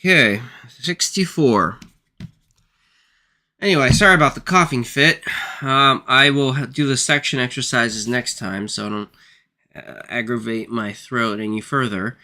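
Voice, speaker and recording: A sick man with a fading, hoarse voice talks slowly through math problems, thinking aloud and pausing often. His tone stays bright and forceful despite the strain, and he apologizes as he goes. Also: medium pitch. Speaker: math tutor. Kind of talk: working textbook problems aloud.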